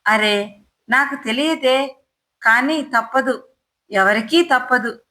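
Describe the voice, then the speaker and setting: A woman voicing a brisk, blunt old man in his seventies who talks quickly. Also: sits high, pushed and bright, full character voice. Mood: hearty.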